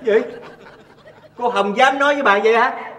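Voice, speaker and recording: A man's voice: extremely high pitch, a bit bright. An actor with a Southern Vietnamese accent playing an older painter husband who protests and whines at his wife in a stage comedy. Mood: protesting. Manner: fast, whiny, protesting. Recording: roomy stage hall, faint noise.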